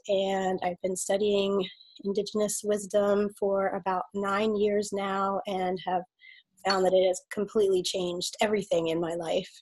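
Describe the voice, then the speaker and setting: Slightly scratchy woman hosting a call. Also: mid-range voice. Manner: warm welcoming, reads out chat names. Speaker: host, life coach. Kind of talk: webinar hosting on a video call. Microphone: video call.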